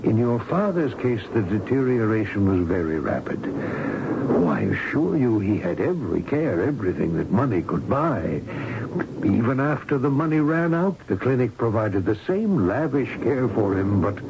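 Smooth clinic doctor, radio drama: solicitous, patronizing, swooping intonation, very noisy dull recording. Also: male voice, on the low side, very animated, moderate pace. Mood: regretful, explaining. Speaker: actor playing a doctor.

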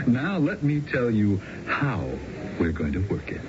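A man's voice: mid-range voice, very animated, slow, over loud music. An American actor playing a cocky, persuasive con man in a radio drama, in punchy phrases. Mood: cocky, scheming. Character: smooth-talking male schemer, cocky and persuasive. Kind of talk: 1970s radio drama acting. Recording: dull, noisy old radio recording.

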